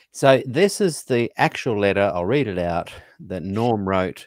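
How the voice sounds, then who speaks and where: Someone with an Australian accent speaks at a fairly slow pace with ordinary pitch variation. The sound is dry and close, with no echo. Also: man. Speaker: podcast host. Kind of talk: interview with reading aloud.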